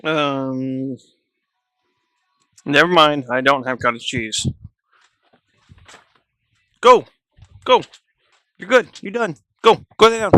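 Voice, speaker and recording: Bright-voiced man chatting to his pets. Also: fairly high pitch, expressive, extremely slow, long pauses, smooth, dry recording. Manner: coaxing and scolding his pets in a chatty, joking way. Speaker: streamer. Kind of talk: casual live-stream chat.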